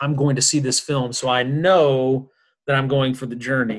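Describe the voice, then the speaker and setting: A man with an American accent has an ordinary speaking voice, using medium pitch and a moderate pace. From US, Kentucky. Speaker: podcast co-host, film fan. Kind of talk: casual chat.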